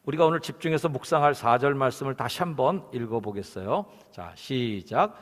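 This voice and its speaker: A man preaching a Sunday sermon as senior pastor, in an expressive preaching manner. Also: mid-range voice, fairly quick. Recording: long church hall reverb.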